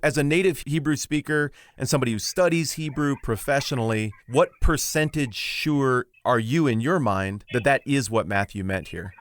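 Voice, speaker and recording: Energetic male podcast host. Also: mid-range voice. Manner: energetic, self-deprecating, quick recaps. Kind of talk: casual podcast chat and summary.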